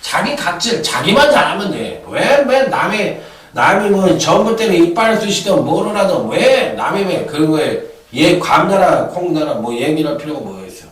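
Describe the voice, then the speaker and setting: A man's voice: sits high, sing-song, normal speed, a bit bright. Rowdy man giving racing tips, echoey room. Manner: rowdy, profane, acts out voices and chants. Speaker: horse racing tipster. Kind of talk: casual betting tip broadcast. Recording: echoey, from far off the mic.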